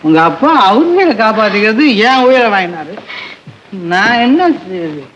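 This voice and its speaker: A man's voice: high voice, big pitch swings, normal speed, muffled recording, slight background noise. A man playing a film hero in 1960s Tamil cinema, speaking in declamatory dialogue. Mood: lamenting. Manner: declamatory, lamenting then tender. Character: man who faked being a drunkard to win back his love. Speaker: film hero, the woman's lover. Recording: old film soundtrack with loud music.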